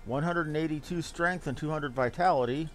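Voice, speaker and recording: A game streamer with a somewhat high voice talks a little fast, rambling casually and thinking aloud about his gameplay. Video game music plays behind him, and the poor audio has a bit of hiss or hum.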